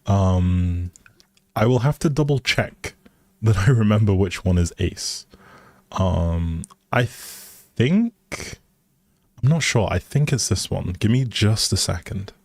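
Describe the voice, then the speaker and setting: Deep-voiced man casually streaming a game. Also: lively intonation, slow pace, darkish tone, dry recording, clean studio sound. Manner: easygoing, thinking aloud. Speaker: game livestream host. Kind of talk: casual livestream commentary while playing a life simulation game.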